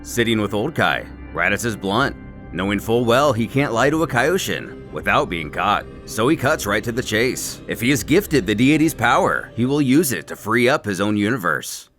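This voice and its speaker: A man narrates a scripted story recap with a wry, dramatic flair. His voice is bright and forceful, and his pitch moves around a lot. Music plays underneath him. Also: big pitch swings, moderate pace. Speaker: narrator of a comic recap series. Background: background music.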